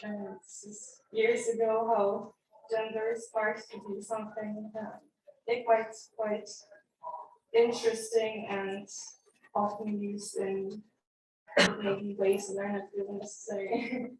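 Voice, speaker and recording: A woman's voice: a little high, darkish tone. A young adult woman introducing herself on a panel, chatty and full of fillers and little laughs. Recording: echoey distant room mic, faint noise.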